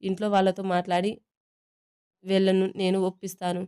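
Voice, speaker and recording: Caring young wife, firm and protective, mellow smooth voice, voiced by a woman, even. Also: mid-range voice, a little fast, lightly acted.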